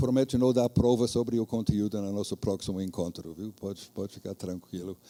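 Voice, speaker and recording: A man with an American accent speaks at a moderate pace in a fairly low pitch. His tone is dark and mellow, with ordinary pitch variation. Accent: foreign (American) accent in Portuguese. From United States (New York). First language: English (speaking Portuguese). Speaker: professor, head of distance education association. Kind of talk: round-table talk at academic symposium. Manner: hesitant, many filler sounds.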